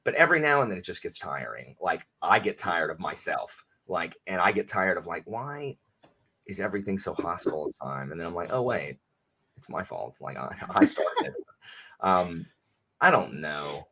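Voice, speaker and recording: A man's voice: sits low, very animated, moderate pace, vocal fry, bright, forceful tone, breathy edge. A man chatting casually as a guest on a live stream, rambling and self-deprecating with lots of restarts.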